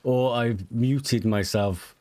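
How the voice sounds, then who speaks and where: A man, streaming a game and chatting casually with his viewers in a relaxed, hesitant way with many fillers. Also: slow pace, dry recording. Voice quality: deep voice. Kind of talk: casual gameplay streaming chat. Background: game music.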